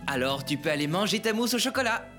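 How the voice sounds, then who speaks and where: A man playing a patient, good-natured young father in a dubbed children's cartoon, expressive and gently instructive. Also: sits high, quick pace, over loud music. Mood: gently firm.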